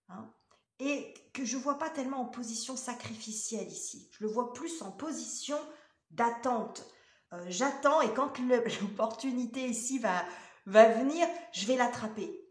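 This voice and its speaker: A woman doing a casual tarot reading, talking in a hesitant way with many fillers and restarts. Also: on the high side. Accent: French. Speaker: tarot reader. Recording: roomy echo.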